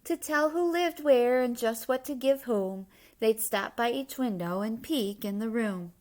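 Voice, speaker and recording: A woman with a fairly high voice reads a children's book aloud at a slow, careful pace. Her delivery is expressive and emphatic, leaning into the rhymes as a storyteller would for young listeners. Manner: animated, emphatic rhyming delivery. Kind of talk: expressive children's read-aloud with explanatory asides.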